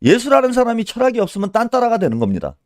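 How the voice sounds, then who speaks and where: A male political commentator delivers a solo rant in a scolding tone. He hammers home rhetorical questions with a pushy "eh?", and his pitch leaps up and down dramatically. The sound is close and dry, with no room echo. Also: huge pitch swings, racing.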